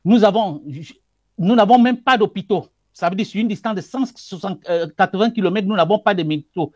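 A middle-aged man, speaking as a guest over a video call with emphatic, halting, repetitive phrasing. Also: high-pitched, no echo, clean studio sound. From Cameroon. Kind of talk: passionate political commentary. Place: indoor room with wood wall. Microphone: earphone headset on video call.

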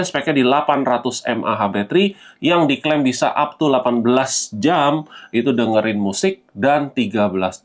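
A man hosting a casual gadget unboxing, explaining things conversationally to viewers and mixing in English terms. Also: mid-range voice. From Indonesia. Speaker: gadget reviewer and vlog host. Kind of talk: casual product unboxing commentary.

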